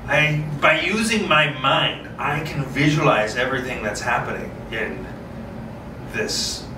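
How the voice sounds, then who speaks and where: Guy doing a solo table read n rambling, slow delivery, echoey room, noisy. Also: medium pitch. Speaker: solo script reader and host. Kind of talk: screenplay narration and rambling casual chat. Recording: roomy, distant mic, clearly noisy.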